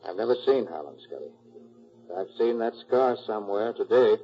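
An actor playing a composed master detective in charge, brisk and authoritative in 1940s radio style. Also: male voice, lowish voice, expressive, a little hiss or hum, natural voice. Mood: pensive, focused. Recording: muffled old 1940s radio recording.

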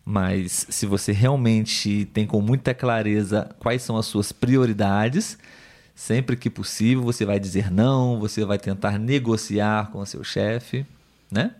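A man with a Brazilian accent talking as the host of a language-learning live show, conversational and instructive, pausing to find words and often checking for agreement. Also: on the low side, fairly even intonation, darkish tone. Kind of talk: conversational teaching, reading viewer comments.

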